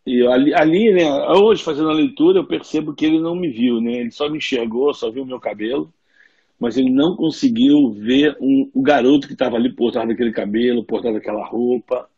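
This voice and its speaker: A man's voice: mid-range voice, brisk, dark tone, husky, dull audio. A man from Rio de Janeiro with a Carioca accent, a chatty guest telling stories on a video call. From Rio de Janeiro, Brazil. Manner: chatty storyteller, laughs often. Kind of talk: casual video-call interview.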